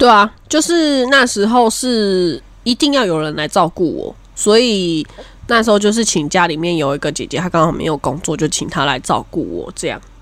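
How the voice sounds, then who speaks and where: This woman's pitch rises and falls across a very wide range. She talks at a moderate speed. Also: medium pitch for a woman. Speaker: podcast co-host. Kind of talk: casual chat.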